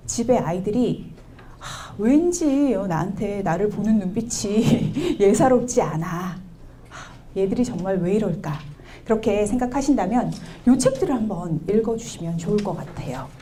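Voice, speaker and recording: A woman's voice: medium pitch, normal speed, slight background noise. A middle-aged woman giving a public lecture on picture books to parents, asking the audience questions and acting out quotes. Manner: lively, asks the audience questions, acts out quotes. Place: community event hall.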